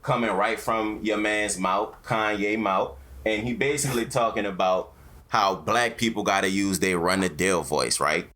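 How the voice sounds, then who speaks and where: A man's voice: lowish voice, moderate pace, pushed and bright. A man with an African American accent hosting a casual, opinionated podcast, talking in slang with plenty of swearing. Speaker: podcast host.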